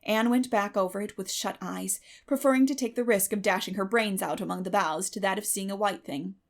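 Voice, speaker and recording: A woman narrating a children's classic audiobook in a dramatic, expressive and measured storytelling manner. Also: medium pitch.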